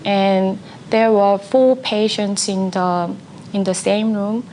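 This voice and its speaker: A young woman with a Korean accent, a nursing student speaking English as a second language, telling about her first hospital placement in halting sentences with many pauses for words. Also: mid-range voice, steady tone, warm tone, a little hiss or hum, poor audio. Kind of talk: personal account for a university video.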